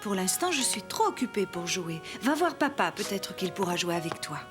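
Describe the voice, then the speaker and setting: A woman playing a busy young cartoon mother, loving but easily exasperated, with an expressive, pleading manner. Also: medium pitch, normal speed, over music, close to an everyday voice. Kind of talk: cartoon dub acting.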